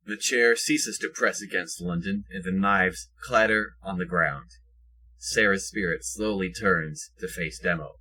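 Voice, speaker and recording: A man's voice: deep voice, unhurried, sharp tone, slightly rough, rough recording. A man reading scripted present-tense action narration for an audio drama.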